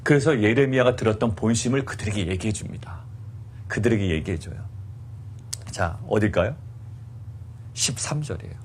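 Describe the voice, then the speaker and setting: A man's voice: fairly low pitch, normal speed, pauses often, a little hiss or hum. A male pastor preaching at an early-morning prayer meeting, asking rhetorical questions and acting out the indignant voices of his listeners.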